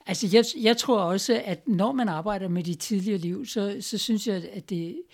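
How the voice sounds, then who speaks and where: Woman guest explaining calmly. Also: mid-range voice. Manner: explanatory, frequent tag questions. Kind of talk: reflective conversation.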